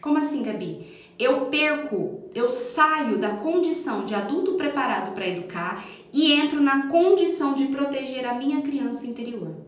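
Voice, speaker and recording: A woman's voice: high-pitched, lively intonation, normal speed. A Brazilian woman, a parenting educator, giving an earnest, emphatic live talk straight to her listeners on a phone mic. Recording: echoey room.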